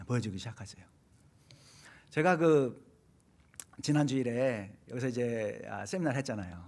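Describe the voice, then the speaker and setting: A man's voice: mid-range voice, darkish tone. A middle-aged man from Korea preaching a sermon, telling a personal story with frequent hesitations and repeated phrases. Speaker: pastor.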